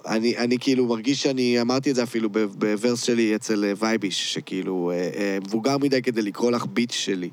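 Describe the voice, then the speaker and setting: A man's voice: fairly low pitch, steady tone, hardly any pauses. A man with an Israeli accent, a rapper and producer being interviewed, chatting casually in slang sprinkled with English words. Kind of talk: casual chat.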